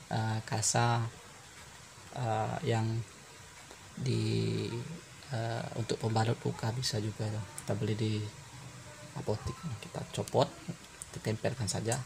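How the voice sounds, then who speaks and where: Guy doing a how-to, pretty monotone and gravelly, stops and starts, noisy background. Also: mid-range voice. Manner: halting step-by-step explaining with pauses. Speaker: phone repair tutorial presenter. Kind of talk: informal hands-on tutorial narration.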